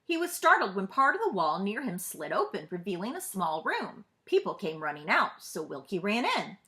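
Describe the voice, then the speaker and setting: A woman narrating a children's story as a librarian, expressively, pausing to put questions to young listeners. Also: medium pitch, sing-song, fairly bright tone. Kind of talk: children's read-aloud narration.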